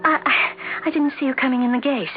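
Actress as an anxious, high-voiced radio drama wife. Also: female voice, steady tone, fast, lightly acted. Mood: flustered politeness. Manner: hesitant, earnest, emotive. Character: anxious, conscientious, troubled wife narrating her story. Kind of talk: 1970s radio drama acting. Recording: dull radio broadcast over music.

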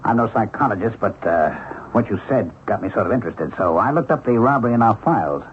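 An actor playing a courteous, quietly persistent police lieutenant in a 1970s radio drama, measured and informal. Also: male voice, fairly low pitch, animated, lightly acted. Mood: probing. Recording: tinny old radio recording, faint noise.

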